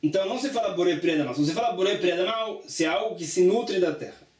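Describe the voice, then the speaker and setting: A man's voice: high voice, quick pace, darkish tone. A man teaching a religious study lesson, reading a passage aloud and then explaining it plainly, often repeating himself. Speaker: Talmud teacher. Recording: echoey room, distant mic.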